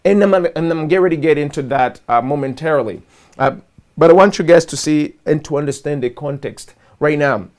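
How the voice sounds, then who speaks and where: A man's voice: on the high side, fairly quick, a little mellow. A man from Rwanda hosting a political commentary show, explaining earnestly over a live video call and often restarting his phrases. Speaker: host.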